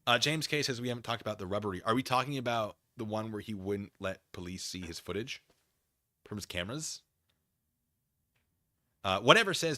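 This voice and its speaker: A man's voice: mid-range voice, sharp tone, dry recording, studio quality. A man hosting a livestream in casual chat, rambling wryly as he reads and answers viewers and acts out imagined exchanges.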